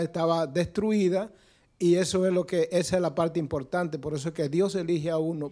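Halting male churchgoer, mellow higher voice. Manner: halting, repeats words as he searches. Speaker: church member giving testimony. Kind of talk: spontaneous testimony in a church. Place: church service.

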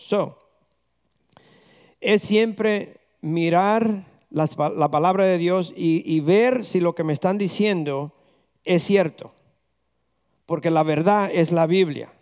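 A man's voice: a little high, a little mellow, clear, resonant tone. A man preaching a conversational sermon as pastor, firing rhetorical questions at the congregation and slipping English words into his talk.

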